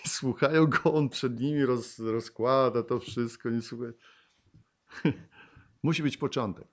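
A male preacher delivering an animated sermon with a mid-pitched voice. He reads scripture aloud and puts questions to his listeners, swinging from loud, excited exclamations to quiet, hushed passages. He often breaks into laughter. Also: measured pace. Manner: laughs and asks the congregation questions. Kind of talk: sermon with Bible reading.

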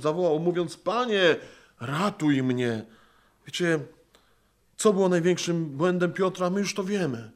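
A high-voiced man preaches an earnest sermon, apparently outdoors among trees. He slows and softens whenever he quotes Christ.

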